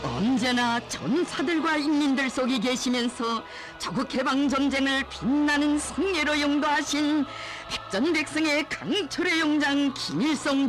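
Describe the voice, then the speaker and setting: High-pitched North Korean woman, solemn documentary narrator. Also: a bit bright. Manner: solemn, reverent, emotive declamation. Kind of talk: scripted propaganda documentary narration. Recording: music behind the voice. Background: music.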